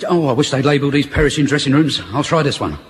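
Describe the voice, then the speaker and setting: An actor playing a fast-talking, evasive wartime black-market salesman in a vintage radio comedy. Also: mid-range voice, a little hiss or hum, natural voice. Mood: cheeky. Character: wheeling-dealing wartime spiv salesman.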